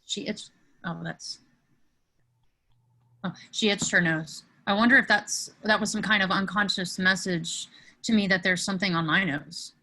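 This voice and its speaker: A woman's voice: medium pitch, fairly even intonation, moderate pace, sharp tone, low-quality recording. A woman playing a nervous, lovesick teenage boy in a comedy table read, with a hesitant, stammering manner. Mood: fretful.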